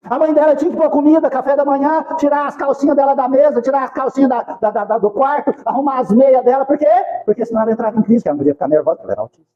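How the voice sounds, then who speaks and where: A man's voice: very high-pitched, racing, dull audio. A Brazilian man giving an informal spiritist talk, telling folksy stories, acting out dialogue and asking rhetorical questions. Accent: Brazilian Portuguese. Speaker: spiritist lecturer. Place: spiritist centre hall.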